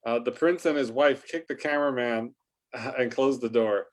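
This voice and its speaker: A man's voice: medium pitch, moderate pace. A man narrating stage directions from a script in an amateur staged reading.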